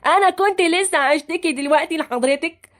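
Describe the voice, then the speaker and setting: A woman's voice: very high-pitched, fast, a bit bright. A woman voicing a stern, old-fashioned male schoolteacher who speaks with an Egyptian accent and a blustering, strict manner in a cartoon. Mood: defensive. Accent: Egyptian Arabic.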